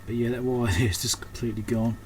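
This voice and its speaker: A man working at an indoor repair bench, an electronics repairer and video host, comments fast and casually, unscripted, thinking aloud and often trailing off. His mid-range voice is a little mellow with little pitch movement. Clear background noise and room ambience accompany him.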